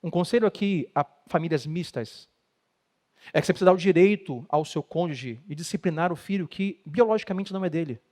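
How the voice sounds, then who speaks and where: High-voiced Brazilian pastor preaching. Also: male voice, expressive, a little fast, darkish tone. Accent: Brazilian Portuguese. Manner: emphatic preaching, acts out quoted spouses. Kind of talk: sermon talk on marriage.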